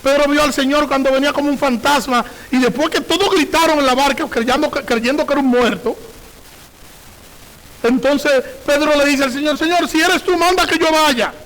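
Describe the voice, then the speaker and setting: A man with a strikingly high voice delivers a sermon as a pastor. He leans on repetition and rhetorical questions, and he reads scripture passages aloud. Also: steady tone, moderate pace, a bit bright, poor audio.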